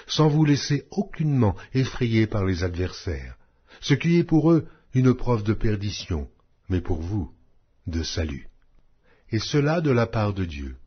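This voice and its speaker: A man giving a solemn, scripted audiobook reading of scripture in measured, declamatory phrases. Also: fairly low pitch, breathy edge. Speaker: audiobook Bible reader. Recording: dull, lo-fi audio.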